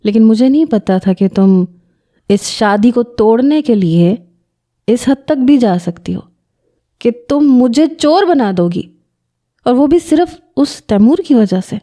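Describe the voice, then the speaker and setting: A woman's voice: on the high side, animated, warm tone, natural voice. A woman voicing a sarcastic, defensive young husband in an audio story, mocking and accusing.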